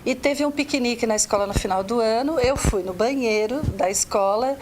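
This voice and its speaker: A woman with a Southern Brazilian accent tells stories with a slightly high voice, stopping and restarting as she goes. She talks like a teacher chatting on a talk show. A faint low rumble sits under her voice. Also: brisk, darkish tone. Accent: Southern Brazilian Portuguese. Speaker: teacher and arts coordinator. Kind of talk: casual talk show interview.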